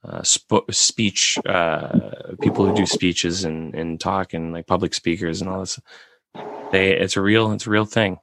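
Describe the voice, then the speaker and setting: A man with a raspy voice, hosting a casual podcast chat and rambling with many restarts. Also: low-pitched, steady tone, a little slow, a bit bright, no echo.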